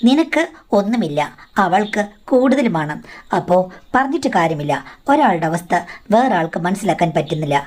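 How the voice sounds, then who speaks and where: A woman's voice: lowish voice, darkish tone. Woman doing a blunt scolding mother. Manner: scolding, matter-of-fact lecturing. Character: blunt, scolding middle-aged mother advising her daughter.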